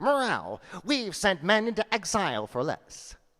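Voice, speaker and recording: Using a put-on character voice, a man speaks at a high pitch and a moderate pace. The recording is very clean, with a silent background. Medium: read story. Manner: catty, condescending.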